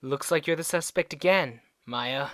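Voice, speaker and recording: A woman's voice: low-pitched, normal speed, no echo, studio quality, close to an everyday voice. A woman in an English game fan dub playing an earnest, assertive young male defense attorney with a pointed, dramatic courtroom delivery. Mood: calm. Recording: amateur dub under loud music.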